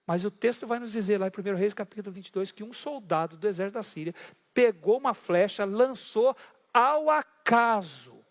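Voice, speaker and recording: A man's voice: high voice, moderate pace. A Brazilian man preaching a sermon as pastor, retelling a story vividly and turning to his congregation. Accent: Brazilian Portuguese. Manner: lively storytelling, addressing the congregation. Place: church. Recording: long church hall reverb.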